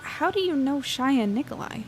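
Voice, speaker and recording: A woman's voice: high-pitched, expressive, moderate pace, noisy background. A woman in her twenties playing an earnest young reporter in an audio drama, conversational and hesitant as she thinks aloud. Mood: puzzled. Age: 20s. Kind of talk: audio drama, naturalistic monologue and dialogue.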